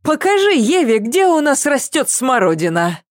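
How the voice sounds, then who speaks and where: A woman's voice: high voice, sing-song, moderate pace, dry recording, studio quality, voice pushed up. A woman voicing a fussy, worried middle-aged mother in a read-aloud story, grumbling and fretful.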